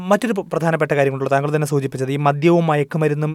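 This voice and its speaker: Speaking in a normal speaking voice, a man with a fairly high pitch keeps his intonation fairly even. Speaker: radio podcast host. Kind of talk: interview.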